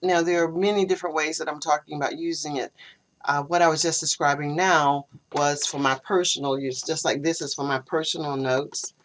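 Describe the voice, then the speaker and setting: A woman English teacher explaining her methods to a student in an online lesson, in a measured, explanatory way. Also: low-pitched, steady tone, slight background noise. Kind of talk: online tutoring session. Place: home, video call. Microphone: computer video call microphone.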